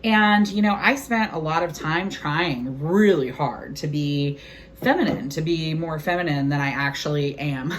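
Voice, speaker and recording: A woman's voice: sits low, measured pace, slight background noise. A woman in her forties hosting a cooking vlog, chatting candidly and casually to the camera in a conversational way. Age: 40s.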